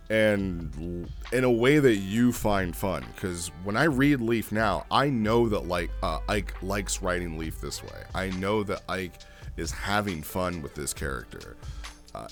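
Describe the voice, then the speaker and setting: A man giving a casual, off-the-cuff review as a host, thinking aloud and repeating phrases for emphasis. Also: fairly low pitch. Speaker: host reviewing a text role-play.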